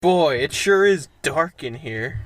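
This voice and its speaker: A man's voice: on the high side, lively intonation, takes it slowly. A young man playing a cocky, dense noir detective in an amateur radio play. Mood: cocky, oblivious. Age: teens or young adult. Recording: amateur recording with music underneath.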